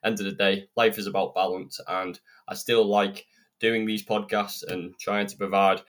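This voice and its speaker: Sniffly low-voiced man hosting. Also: little pitch movement, normal speed, a bit bright. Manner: earnest, rambling and chatty. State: slightly croaky and sniffly with a cold. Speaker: podcast host. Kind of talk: solo self-improvement podcast monologue. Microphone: podcast microphone.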